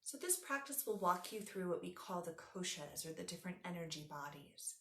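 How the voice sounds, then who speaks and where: Low-voiced woman guiding meditation, roomy echo. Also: very animated, fairly bright tone, slight background noise. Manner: soothing, instructive, unhurried guiding. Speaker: yoga nidra teacher. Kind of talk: guided meditation.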